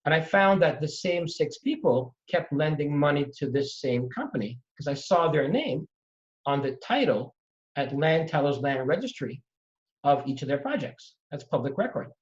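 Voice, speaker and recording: Animated middle-aged man on muffled audio. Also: a little high, moderate pace. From Trinidad and Tobago. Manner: animated, emphatic storytelling. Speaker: real estate investor guest. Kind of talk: storytelling in conversation. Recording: dull lo-fi audio.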